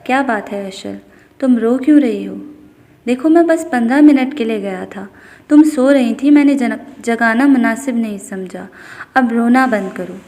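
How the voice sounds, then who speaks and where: A woman's voice: a little high, a little mellow, in a large hall, lightly acted. Woman voicing a tender devoted young husband.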